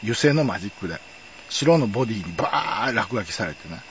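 A man's voice: fairly low pitch, fast, dull audio, slight background noise. A middle-aged man telling a personal story in a wry, chatty way. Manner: wry, chatty, lively intonation. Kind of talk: casual storytelling monologue.

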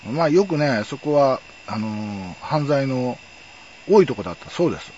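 A man's voice: mid-range voice, normal speed, muffled recording, a little hiss or hum. A middle-aged man telling a personal story in a wry, chatty way. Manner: wry, chatty, lively intonation. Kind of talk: casual storytelling monologue.

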